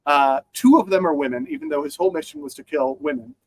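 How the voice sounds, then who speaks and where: A man's voice: a little high, fast, poor audio. A man co-hosting a podcast, talking through news in a rambling casual way with many fillers and restarts. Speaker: podcast co-host.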